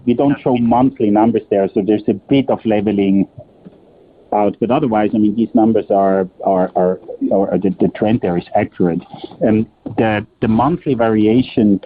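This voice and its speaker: Male executive, low register, halting and explanatory conference-call answers with repeated words, thin telephone audio. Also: fairly even intonation. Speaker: company executive answering analyst questions. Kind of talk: spontaneous earnings call answers. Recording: muffled, narrow-band phone conference line.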